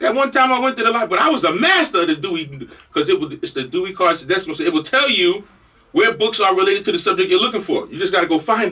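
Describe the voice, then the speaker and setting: A man's raised, projected voice, high in pitch and animated in tone, racing at a very fast pace with very wide pitch swings. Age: 60s. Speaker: radio host. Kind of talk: radio talk show intro. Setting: radio studio.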